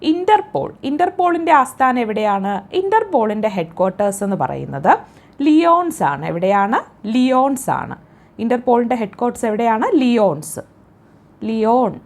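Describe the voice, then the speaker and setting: A woman with a Malayali accent teaching exam facts, asking questions and answering them herself with steady repetition. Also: fairly high pitch. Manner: coaxing, checks the listener with "kēṭṭō" and "allē". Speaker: exam tutor. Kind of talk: spoken quiz lesson.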